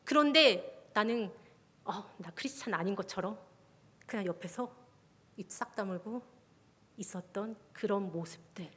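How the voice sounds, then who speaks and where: A woman, a junior pastor, giving a testimony sermon at a midweek prayer service, often dropping her voice to a soft whisper. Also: medium pitch, unhurried, long pauses, husky. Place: church sanctuary. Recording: long reverb of a church hall.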